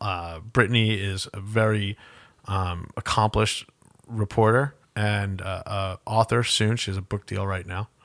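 The speaker has a New York accent and fairly even intonation at a moderate pace. The recording is very clean with a silent background. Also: man. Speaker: journalist and newspaper editor. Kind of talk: interview. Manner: halting, many fillers and restarts.

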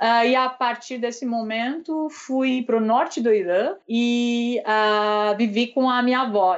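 A woman with a Persian accent talks at a very slow pace. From Iran. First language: Persian (speaking Portuguese). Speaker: international law scholar. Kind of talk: interview. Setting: remote call from Tehran. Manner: hesitant, frequent filler sounds.

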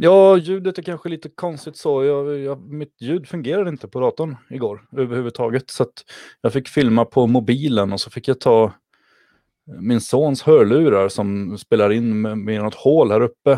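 The sound is dry and close, with no echo. A man with a dark, mellow tone speaks with lively intonation. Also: medium pitch for a man, moderate pace, quiet background. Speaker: co-host. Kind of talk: casual chat.

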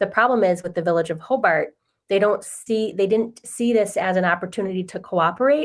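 On a very clean recording with a silent background, a woman with an American accent talks at a fairly quick pace, medium pitch and ordinary pitch variation. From Wisconsin, Oneida reservation. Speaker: attorney and professor, author. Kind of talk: radio interview. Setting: radio studio. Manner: frequent fillers and hesitations.

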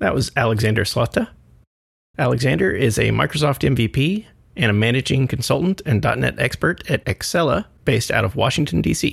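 Speaking at a fairly quick pace, a man of medium pitch uses lively intonation and vocal fry, with very even loudness throughout. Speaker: podcast host. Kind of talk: interview.

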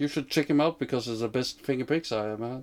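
A man with a Norwegian accent and medium pitch, on a very clean recording with a silent background. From Norway. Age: 50s. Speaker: musician. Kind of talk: casual interview.

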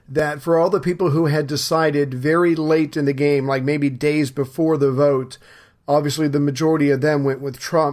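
Man with a normal speaking voice and an American accent talks at a fairly quick pace, pitched fairly high, with fairly even intonation. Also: very clean recording, silent background. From US South, Charleston, South Carolina. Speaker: podcast co-host. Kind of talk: casual political discussion.

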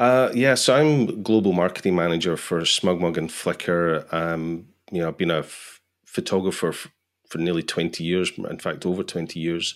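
In a Scottish accent, a man speaks at a moderate pace in a very deep, low voice with ordinary pitch variation and big swings in loudness. The recording is very clean, with a silent background. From Scotland, central belt near Falkirk. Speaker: photographer and marketing manager. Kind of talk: interview.

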